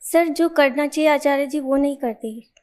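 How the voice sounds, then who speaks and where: A woman from the audience asking the teacher a question, speaking softly and hesitantly. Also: sits high, moderate pace. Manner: hesitant, soft-spoken.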